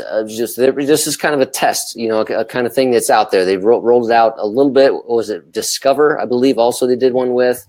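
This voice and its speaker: A man hosting a casual news discussion, speaking haltingly and often restarting his phrases. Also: mid-range voice, a little mellow, no room sound. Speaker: talk show host.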